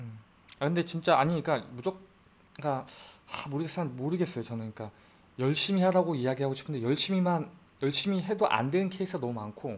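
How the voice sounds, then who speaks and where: A man's fairly high voice rises and falls with lively intonation as he talks very fast. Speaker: YouTuber. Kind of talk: casual chat. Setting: video call. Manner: casual. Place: home room. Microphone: video call.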